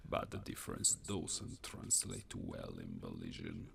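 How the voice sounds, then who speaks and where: A man voicing an ancient fire being, an amused and menacing villain boss in a video game, slow and formal with a raspy voice. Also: wildly swooping pitch, noisy background, exaggerated voice. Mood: measured menace. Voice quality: very deep, gravelly, breathy rasp. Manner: slow, measured, taunting, formal wording. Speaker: final boss villain in a visual novel game.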